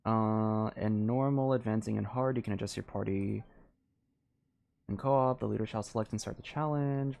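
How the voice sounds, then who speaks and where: A game streamer with a medium-pitched voice talks casually through live gameplay. The delivery is hesitant, as thoughts are worked out aloud and sentences often trail off before they finish. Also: steady tone, moderate pace, creaky, a little mellow.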